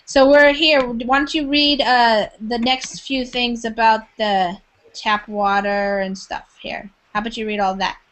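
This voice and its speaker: A woman's voice: a little high, fairly even intonation, a little slow, fairly bright tone. A woman leading an online English conversation class who asks many questions and keeps encouraging her students. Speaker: English teacher.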